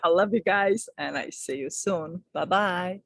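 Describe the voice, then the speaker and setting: A middle-aged woman giving gentle, affectionate spiritual guidance in a vlog. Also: fairly low pitch, a little slow, no echo. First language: Czech. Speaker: spiritual teacher and author.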